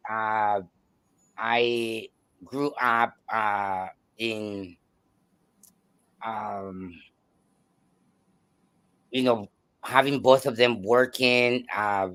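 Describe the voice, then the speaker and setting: A man from El Salvador with a Salvadoran Spanish accent, a native Spanish speaker, telling his life story as a guest with many pauses and restarts. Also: mid-range voice, steady tone, bright, forceful tone, clear, resonant tone. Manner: hesitant, many fillers and restarts. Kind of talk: personal storytelling in a talk show.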